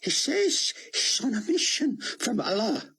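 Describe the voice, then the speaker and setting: A man voicing an elderly rabbi scholar, speaking in a hushed, trembling voice that rises high in awe. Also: big pitch swings, a little slow, gravelly, slightly rough, heavily acted. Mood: awed. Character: elderly male rabbi scholar, awed and fervent.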